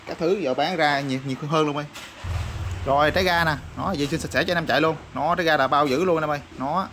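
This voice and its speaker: A man showing off used motorbike parts in a rapid, repetitive sales patter full of fillers. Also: on the high side. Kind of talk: casual product showcase sales patter. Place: parts shop or workshop. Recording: noisy backdrop with passing vehicles.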